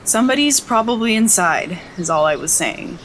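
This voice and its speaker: A woman's voice: medium pitch, lively intonation, moderate pace, a bit bright, slight background noise, natural voice. An actress playing an earnest, polite, curious young woman in an audio drama, speaking in a tentative, conversational way. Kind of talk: naturalistic audio drama dialogue. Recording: roomy echo under music.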